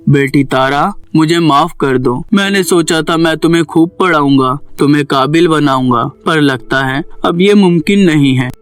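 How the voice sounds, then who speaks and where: A man's voice: on the high side, moderate pace, hardly any pauses, smooth, dry recording, soft background music, close to an everyday voice. An actor playing a proud, caring old grandfather in a cartoon story, earnest and reproachful. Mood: weary, sorrowful. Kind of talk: Hindi cartoon moral story acting.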